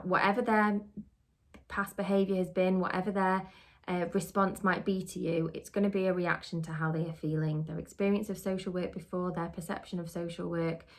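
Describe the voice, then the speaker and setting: Speaking on the low side, a British woman who trains people and hosts a podcast gives advice in a chatty, instructive way, working through and rewording her ideas as she talks.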